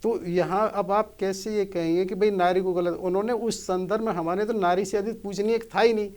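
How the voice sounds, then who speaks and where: A man's voice: high voice, fairly even intonation, moderate pace, a little mellow. A man, a motivational speaker, earnestly explains scripture in a conversational way and asks rhetorical questions.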